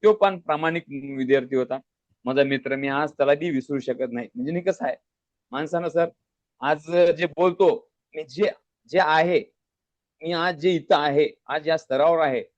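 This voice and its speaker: A man's voice: on the high side, normal speed, dry recording. A man guest telling how he built his business, in an earnest, plain-spoken way with many restarts. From Maharashtra, India. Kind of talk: casual storytelling interview. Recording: dull lo-fi audio.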